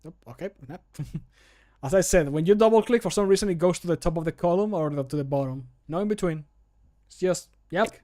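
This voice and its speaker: A man's voice: fairly high pitch, brisk, dark tone. A man in his thirties chatting casually as a streamer while he works. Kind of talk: casual chat while recording voice lines. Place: small home room.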